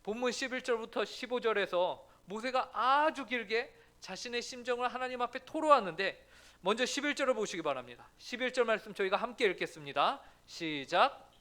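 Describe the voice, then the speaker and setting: A man's voice: very high voice, lively intonation, fairly quick, pushed and bright. A man pastor giving an earnest sermon in a church, often putting questions to the congregation.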